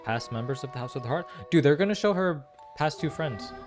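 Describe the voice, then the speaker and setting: A man hosting a casual reaction video, thinking aloud in slangy, excitable commentary. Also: a little high, brisk. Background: faint music.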